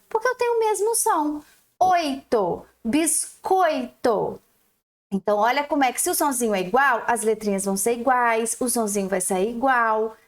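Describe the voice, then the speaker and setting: A woman teacher, giving a recorded lesson to young children and stretching out each syllable as she explains. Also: high voice. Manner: slow, drawn-out syllables, explaining. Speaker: primary school teacher.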